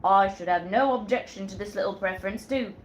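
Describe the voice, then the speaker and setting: A woman voicing a jealous male sailor who talks in blunt, loud nautical slang. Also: mid-range voice, fairly quick, a little hiss or hum, natural voice. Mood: blustering. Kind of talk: read-aloud storytelling.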